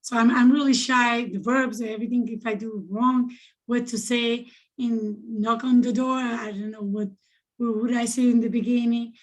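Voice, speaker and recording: A woman's voice: on the high side, steady tone, moderate pace, poor audio. Hesitant woman. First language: Portuguese. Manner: hesitant, searching for words. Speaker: class participant. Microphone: video call.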